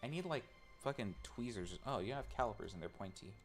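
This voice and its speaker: This streamer chats casually with his audience while tinkering on a robot, rambling and making fun of himself. His voice is lowish and expressive, moving a little fast, with faint music in the background.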